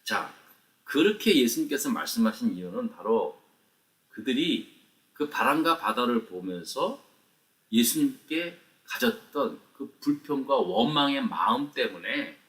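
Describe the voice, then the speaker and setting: A man's voice: medium pitch, sing-song, measured pace, a bit bright, far from the mic. A man preaching a conversational sermon at a morning prayer meeting, asking the listeners rhetorical questions. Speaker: pastor.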